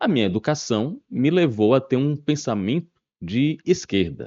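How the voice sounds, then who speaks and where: At a moderate pace, a man with a medium-pitched voice speaks with very wide pitch swings. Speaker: journalist and TV news presenter. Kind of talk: casual podcast conversation.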